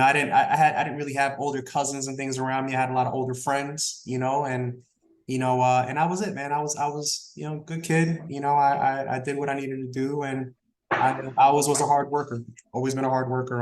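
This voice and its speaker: A man's voice: medium pitch, fast talker. Rambling man in his thirties, echoey room. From Brooklyn, New York. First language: Spanish. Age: 30s. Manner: relaxed, rambling, heavy with fillers. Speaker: guest. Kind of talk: casual interview talk.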